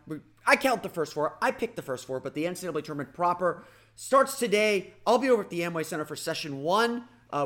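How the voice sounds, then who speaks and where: A man hosting a casual sports podcast, talking energetically with a slightly raspy voice and frequent restarts. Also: sits high. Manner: energetic, rambling with restarts and fillers. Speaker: podcast host.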